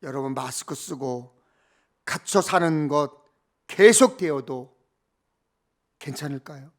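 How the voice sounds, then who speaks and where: A man's voice: fairly high pitch, slow. A middle-aged man preaching as a pastor, moving between emphatic declaiming and conversational asides, with rhetorical questions and repeated phrases.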